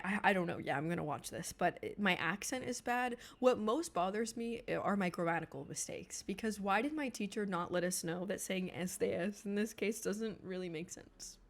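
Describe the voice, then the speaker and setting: Chatty young woman laughing at herself. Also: mid-range voice. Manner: chatty, self-mocking, laughs often. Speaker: YouTuber. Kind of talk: casual reaction vlog.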